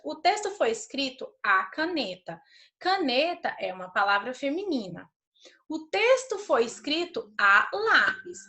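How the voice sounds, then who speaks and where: A woman teacher walks through a recorded grammar lesson for children. Her voice sits a little higher than average, and she reads each example sentence slowly and deliberately. She checks in with the class again and again. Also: sharp tone. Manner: checks understanding with "certo?".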